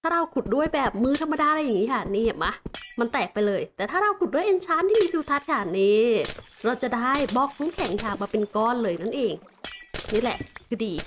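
A woman hosting casual Minecraft gameplay commentary, chatty and explanatory, with excited exclamations and giggles. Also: high voice, noisy background. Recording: background music in the mix.

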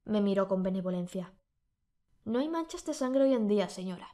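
Woman, Spanish accent, audiobook narration, measured, slightly sore throat. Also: mid-range voice. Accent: Spain Spanish. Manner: measured, steady storytelling.

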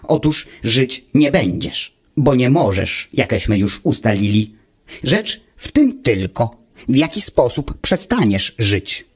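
A calm, pedantic machine friend, read by a man, holds forth in a husky mid-range voice. It reasons coolly and deliberately, step by step, as if laying out a proof. It comes from a storybook reading. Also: mid-range voice, heavily acted. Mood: lecturing. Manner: coldly reasoning, lecturing, measured. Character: calm, pedantic male mechanical friend lodged in an ear. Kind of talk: audiobook reading of a fairy tale.

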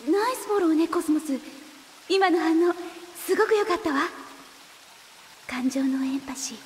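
An actress playing a thoughtful, earnest young woman scientist in a Japanese audio drama, musing with hesitant pauses and soft trailing phrases. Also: very high-pitched, animated, a little hiss or hum. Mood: pleased, encouraging.

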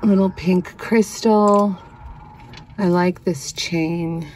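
A woman vlogs as she sorts vintage jewelry inside a cluttered antique store, thinking aloud and chatting in casual thrifting narration. Her voice is fairly low and darkish, with a steady tone and drawn-out words. There is a little hiss or hum in the recording.

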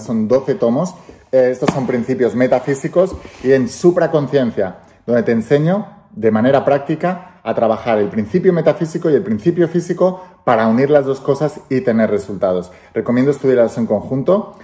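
A man speaks at a mid pitch, preaching to a phone camera held close in a room indoors. He is emphatic and repeats his phrases for effect. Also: dark tone, slight background noise. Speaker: motivational speaker. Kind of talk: direct-to-camera motivational talk. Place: indoor room with wooden ceiling and windows.

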